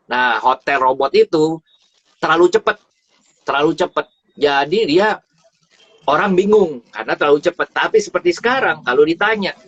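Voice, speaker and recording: A man talks in a casual, animated way, his voice pitched a bit high and jumping up when he stresses a point. The sound is dull and dry, like phone audio from a live stream with no room echo. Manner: animated, rising pitch on emphasis, repeats words. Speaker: travel business speaker on a live stream. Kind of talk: casual instructional talk. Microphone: phone or live stream mic.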